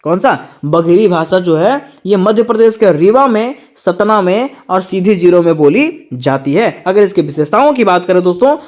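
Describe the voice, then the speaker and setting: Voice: mid-range voice, lively intonation, moderate pace, few pauses, darkish tone. A teacher giving an exam-prep lecture who reads from notes, explains each point in plain words, and keeps turning it into a question for the listeners before answering it.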